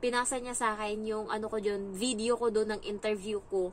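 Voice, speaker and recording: A young Filipina woman talks straight to her viewers in a casual advice vlog, telling stories with lots of life and slipping into other people's voices as she goes. Her voice sits at an ordinary middle pitch for a woman, with a faint hiss of background noise behind her. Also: a little fast, poor audio. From Philippines. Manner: lively storytelling, acts out other people's lines. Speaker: vlogger, domestic helper. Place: employer's home abroad.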